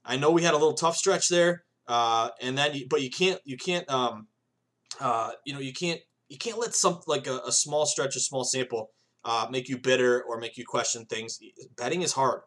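A man in his thirties hosts a solo sports betting podcast in a loose, rambling way. He leans on fillers and restarts and keeps talking straight to his listeners as "guys". His voice sits at an ordinary pitch. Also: moderate pace, a bit bright. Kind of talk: casual solo podcast monologue.

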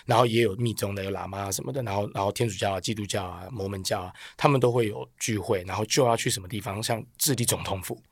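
A man's voice: fairly low pitch, quick pace, gravelly, few pauses, dry recording, studio quality. A man with a Taiwanese accent speaking as a podcast guest, telling stories casually in a colloquial, self-deprecating way. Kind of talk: casual conversational storytelling.

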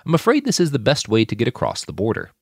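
A man's voice: medium pitch, wildly swooping pitch, fast, a little mellow, slightly rough, no room sound, studio quality, exaggerated voice. A man voicing a stern, zealous middle-aged preacher who leads a smuggling ring, speaking in a grandiose sermonizing way. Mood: cold.

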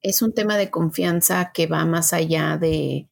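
A woman's voice: sits low, steady tone, unhurried, gravelly. A woman co-hosting a conversational podcast on faith, talking reflectively and checking that she is understood with short tag questions. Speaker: podcast co-host.

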